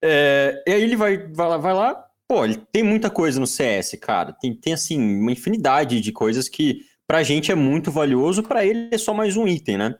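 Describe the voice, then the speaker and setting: A man's voice: on the high side, lively intonation, moderate pace, hardly any pauses. A man in casual podcast talk, rambling and self-deprecating with frequent restarts. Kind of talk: casual chat.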